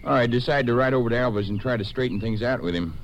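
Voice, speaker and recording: An actor playing a folksy, defensive Texas rancher in a 1950s western radio drama. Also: male voice, medium pitch, fast, dull audio, lightly acted. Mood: hesitant, defensive. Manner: folksy, hesitant explaining that turns indignant. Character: touchy, defensive Texas rancher, adult man. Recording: noisy old-time radio recording.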